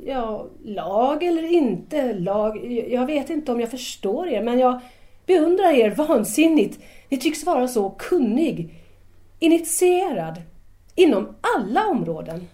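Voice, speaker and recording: Actress doing shy young student girl in a radio play, highish mellow voice, hesitant, looks up to people. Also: sing-song. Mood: admiring. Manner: hesitant, deferential. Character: shy, admiring, self-doubting young female student. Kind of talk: audio drama acting.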